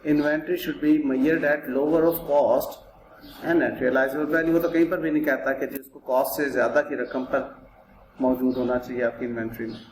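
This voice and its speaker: A man's voice: medium pitch, steady tone, measured pace, darkish tone. A man with a Pakistani accent lecturing as an accounting teacher, explaining step by step in a didactic way, repeating points and posing rhetorical questions. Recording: roomy echo with clear background noise.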